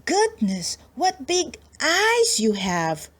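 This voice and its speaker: Little Red Riding Hood, as a woman reads her: high, sweet little girl. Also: extremely slow, exaggerated voice. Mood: childlike. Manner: sweet, excitable. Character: little girl, eager and easily distracted.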